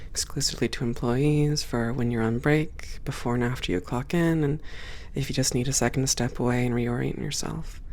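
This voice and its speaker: A performer playing a friendly, composed female hangar supervisor in an ASMR roleplay, speaking in a measured, welcoming and professional way. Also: medium pitch, darkish tone, natural voice. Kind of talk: ASMR roleplay, one-sided conversation.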